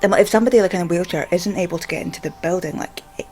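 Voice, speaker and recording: A Scottish woman with a stammer gives an informal explainer, halting often and leaning on repeated filler words. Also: on the low side, a little mellow. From Scotland. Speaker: vlogger and stammering advocate.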